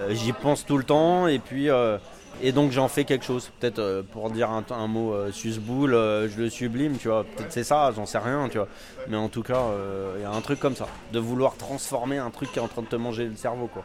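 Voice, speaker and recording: Fairly even in intonation, a man's medium-pitched voice moves at a moderate pace. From Paris suburbs, Val-de-Marne. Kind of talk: interview. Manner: casual, hesitant.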